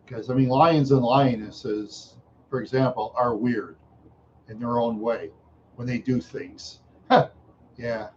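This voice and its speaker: An older man drifts through a slow, repetitive livestream chat, tired and a little unwell. He often trails off into soft chuckles. The sound is dull and lo-fi, with a faint hiss underneath. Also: mid-range voice. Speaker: livestream host. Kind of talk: rambling casual livestream chat. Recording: dull lo-fi stream audio with faint noise.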